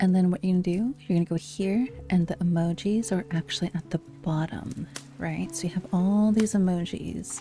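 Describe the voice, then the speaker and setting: Over noticeable background noise, a soft-spoken woman talks at a moderate pace with a fairly low pitch and ordinary pitch variation. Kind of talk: ASMR livestream, casual talk to chat.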